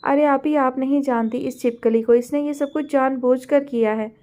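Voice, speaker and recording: Woman reading hot-headed teenage boy, boastful, challenging, high voice, mellow, storybook. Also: fairly even intonation, moderate pace, natural voice. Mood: indignant. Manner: complaining, challenging.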